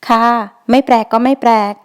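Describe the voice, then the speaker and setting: A woman's voice: brisk, close to an everyday voice. A woman voicing a shy, sweet young wife. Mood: coy. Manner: soft and coy. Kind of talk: audiobook character voice.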